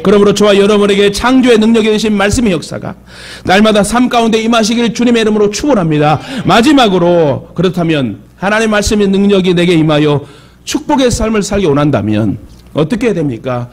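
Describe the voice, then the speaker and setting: A man's voice: sits high, expressive, fast talker, a little mellow. A male pastor with a Jeolla Korean accent, preaching a sermon with joking asides and calls for amens. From Jeolla region of Korea. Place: church sanctuary.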